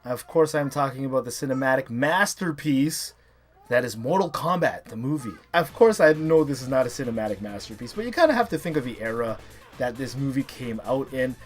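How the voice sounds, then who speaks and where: A man in his thirties hosting a casual, chatty video countdown, talking in an animated, emphatic way with playful hype. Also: medium pitch, a little fast, faint music behind. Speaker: host of a top three video series.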